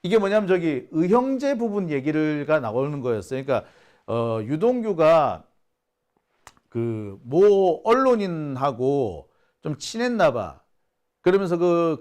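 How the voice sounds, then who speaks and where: Heated, animated Korean male commentator. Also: a little high. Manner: heated and indignant, acts out quoted people, rhetorical questions. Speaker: journalist host of a political channel. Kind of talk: casual political commentary.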